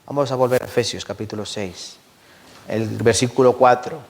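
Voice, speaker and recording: A man's voice: medium pitch, moderate pace, vocal fry. A man preaching a sermon as pastor, often asking the congregation questions. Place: church.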